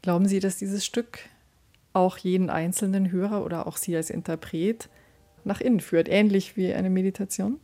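A female radio interviewer who asks long, carefully built questions in a measured way. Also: medium pitch, fairly even intonation, mellow.

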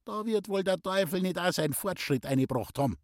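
A man reading an audiobook, voicing a sharp-tongued old village mother in a Bavarian accent, fussy and scolding. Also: sits high, animated, brisk, dry recording, studio quality, pitched above the performer's own voice. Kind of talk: audiobook character voice.

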